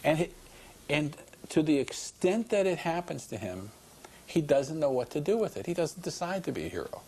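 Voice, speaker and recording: A man giving measured, explanatory commentary in a documentary interview. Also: a little high, very animated, darkish tone, a little hiss or hum.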